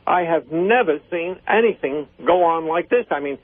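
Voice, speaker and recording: An older American man phones in to a talk radio show. His voice is husky and fairly high, and he speaks haltingly, repeating himself with indignation. The line is narrow and tinny, clearly a telephone. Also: expressive, no echo. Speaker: phone-in guest, host's father. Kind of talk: opinionated talk on current affairs.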